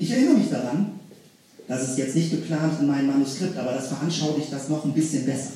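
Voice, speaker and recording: Amid noticeable background noise and audible room echo, a man with a fairly high pitch talks at a very fast pace. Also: ordinary pitch variation. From Hamburg, northern Germany. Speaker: pastor. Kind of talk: sermon. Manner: hesitant with fillers.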